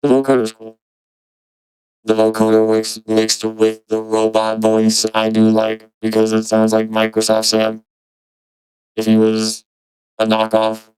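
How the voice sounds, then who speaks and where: A man's voice: lowish voice, monotone, takes it slowly, pauses often, loud music behind the voice, poor audio. A man talking through a metallic robotic vocoder effect, casually demoing a voice box as a streamer.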